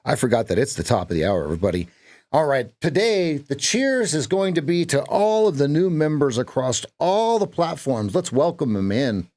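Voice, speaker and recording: A man's voice: medium pitch, sing-song, moderate pace, darkish tone. A man with a mid-range voice hosts a live day-trading stream from his desk. He talks loosely to his chat and doubles up his words as he follows the charts. The sound is dry and close, with little room echo. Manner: chatty, repeats phrases, talks to chat.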